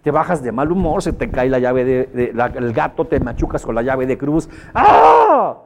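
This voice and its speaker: A man's voice: mid-range voice, moderate pace. A man with a Mexican accent gives a motivational talk, telling anecdotes and asking the audience questions. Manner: animated storyteller, asks the audience questions. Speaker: motivational speaker.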